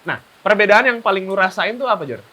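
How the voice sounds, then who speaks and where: A man's voice: high voice, animated, quick pace, pushed and bright. A man with a Jakarta Indonesian accent hosting a casual interview in a chatty, slangy, exclamatory way. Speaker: talk show host, interviewer. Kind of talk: casual chat. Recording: faint hiss behind the voice.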